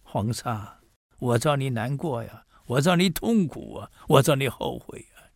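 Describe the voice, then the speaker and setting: A man's voice: mid-range voice, animated, normal speed, dry recording, studio quality. A man doing an impassioned old commoner scolding an emperor. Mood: pleading. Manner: pleading, rising to indignant outbursts.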